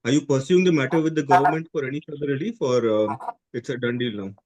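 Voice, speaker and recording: A man's voice: mid-range voice, quick pace, darkish tone, no echo. A man asking questions as an analyst on a conference call, somewhat hesitantly.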